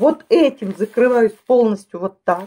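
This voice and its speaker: A woman with lively intonation talks at a moderate pace, the background quiet. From Russia. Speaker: kindergarten worker giving testimonial. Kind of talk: video testimonial. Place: home room. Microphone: phone near.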